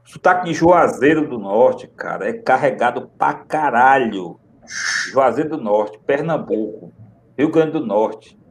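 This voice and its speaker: A man's voice: medium pitch, expressive, a little slow, slight background noise. A man chatting casually on a video call, emphatic and repeating himself. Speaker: live stream participant.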